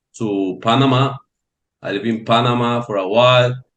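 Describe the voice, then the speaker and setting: A man's medium-pitched voice with a Venezuelan accent. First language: Spanish. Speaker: trader. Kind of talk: interview. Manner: halting, with many repetitions and fillers.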